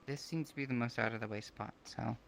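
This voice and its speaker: A man playing a gentle, hospitable host in improvised roleplay, speaking in a considerate, hesitant way. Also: mid-range voice, fairly even intonation, fast, gravelly. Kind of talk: improvised virtual-world roleplay. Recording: noisy voice-chat audio with ambient sound.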